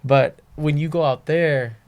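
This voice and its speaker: A man hosting a casual interview chat, keen and quick to chime in with "yeah" and "that's awesome". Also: a little high, steady tone, a little mellow. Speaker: podcast host.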